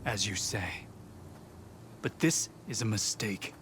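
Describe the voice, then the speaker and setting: Stern, blunt tribal warrior. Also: male voice, fairly low pitch, expressive, takes it slowly, fairly bright tone, a little hiss or hum. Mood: stern, distrustful. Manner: blunt, formal. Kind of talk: video game cutscene acting. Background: music.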